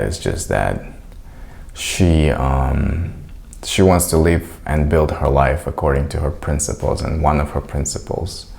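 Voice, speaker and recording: Vlogger, young man, very low gravelly voice, unhurried, hesitant and reflective. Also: darkish tone. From Crimea, Ukraine. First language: Russian. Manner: hesitant, searching for words. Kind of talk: reflective personal monologue.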